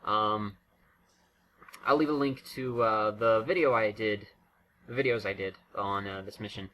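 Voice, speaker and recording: A man's voice: on the low side, steady tone, measured pace, highs cut off, slight background noise. A man giving casual, unscripted game commentary in a rambling, self-interrupting way. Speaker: gaming video creator.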